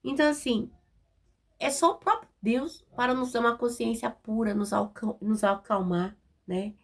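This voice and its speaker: Raspy Brazilian woman preaching casually. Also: a little high, steady tone, normal speed. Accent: Brazilian Portuguese. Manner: direct, informal, frequent tag questions. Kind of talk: conversational sermon.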